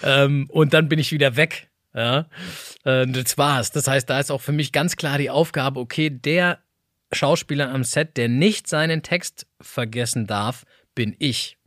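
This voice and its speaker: A man speaking at an ordinary mid pitch in a relaxed conversation. He thinks aloud, circles back and restarts his phrases often, recorded dry with no room sound. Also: unhurried, no room sound. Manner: reflective, rambling with many restarts. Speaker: voice actor. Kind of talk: casual podcast conversation.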